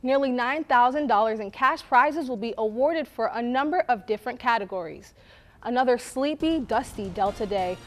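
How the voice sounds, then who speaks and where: A woman's voice: on the high side, moderate pace, faint music behind. A woman reading scripted local news as an anchor at a studio desk.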